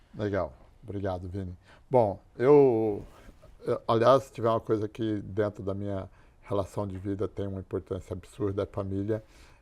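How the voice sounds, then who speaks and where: At a moderate pace, a man speaks in a fairly low pitch with big swings in loudness. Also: fairly even intonation. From Brazil, rural São Paulo state. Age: 60s. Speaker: pharmacy business owner. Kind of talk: podcast interview. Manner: halting, many false starts.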